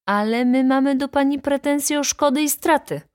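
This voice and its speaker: A woman's voice: high-pitched, normal speed, dry recording, clean studio sound, voice pushed up, lightly acted. A woman voicing an insolent young male student who speaks with sugary, mocking sweetness.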